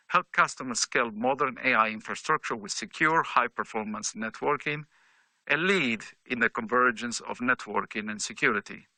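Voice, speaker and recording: A man speaking as a company executive, reading a scripted corporate presentation in a formal, measured way with emphasis on key figures. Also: mid-range voice, bright, forceful tone, no echo.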